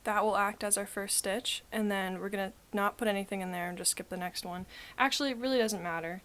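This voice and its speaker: A woman's voice: medium pitch, fairly even intonation, a little fast, fairly bright tone. A woman, sounding sniffly and talking through a crochet tutorial in a chatty, rambling way full of fillers. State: sniffly with a cold. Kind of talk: casual spoken tutorial.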